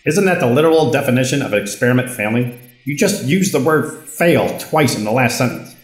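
A man's voice: mid-range voice, lively intonation, brisk, husky, low-quality recording. A man playing a wry, put-upon boss who narrates his own story in an audio drama, with dry delivery. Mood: wry, baffled. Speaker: narrator and character. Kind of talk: first-person audio drama narration and dialogue.

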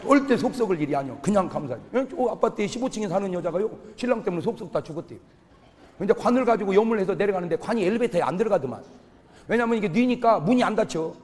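High-voiced preacher in a reverberant hall. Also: male voice, racing. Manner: animated storytelling, acting out quoted voices; shouting punchlines to the congregation. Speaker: pastor. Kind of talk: humorous revival sermon. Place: church hall with congregation.

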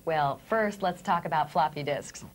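An American woman in her thirties presenting a scripted training lesson, explaining things clearly step by step. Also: deep voice, normal speed. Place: indoor studio set.

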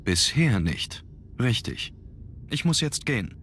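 An actor playing a reserved, brooding young aristocrat in an adventure game, formal and deliberate. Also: male voice, medium pitch, big pitch swings, fairly bright tone. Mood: uneasy. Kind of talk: scripted video game acting.

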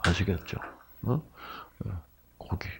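A man's voice: low-pitched, takes it slowly, gravelly, noisy background. An older man from Korea giving a chatty health lecture, weaving in personal stories and frequent asides to his audience.

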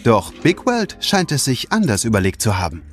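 A man's voice: mid-range voice, wildly swooping pitch, normal speed. A man narrating a children's audio drama in a scripted storytelling style. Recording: loud music behind the voice.

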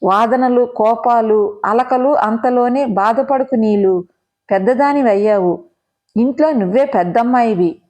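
A woman voicing a strict middle-aged mother who scolds and coaxes her eldest daughter in measured, deliberate speech. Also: on the high side, darkish tone, close to an everyday voice. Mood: coaxing.

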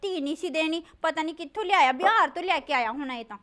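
A very high, piercing voice of a bossy, theatrical schoolteacher, as a woman puts her on for a comic call-in show. She wails and scolds with big dramatic swings, fussy and self-important. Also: expressive, fast talker, fairly bright tone. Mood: gossiping. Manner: shrill, dramatic wailing and scolding. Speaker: call-in show host in character.

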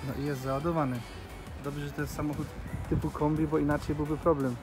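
A man's voice: fairly high pitch, level tone, fast. A man in his thirties from Poland, chatting casually and jokily to camera as a vlog host on a handheld phone. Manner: jokey, informal. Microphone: phone at arm's length. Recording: handheld phone with music underneath. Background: music.

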